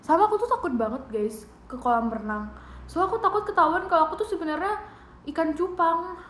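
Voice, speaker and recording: Young woman, high-pitched, playful, giggly, casual stream chat, echoey room at home. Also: expressive, fast, a bit bright, a little hiss or hum. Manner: playful, giggly, thanks viewers. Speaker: idol live streamer. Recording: roomy echo of a small room.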